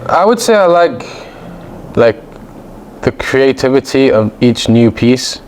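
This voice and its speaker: A man's voice: medium pitch, slow, a little hiss or hum. A man with an international British accent, chatting easily as a guest jeweler in a casual interview. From Belgium. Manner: relaxed, talks in loose run-on phrases.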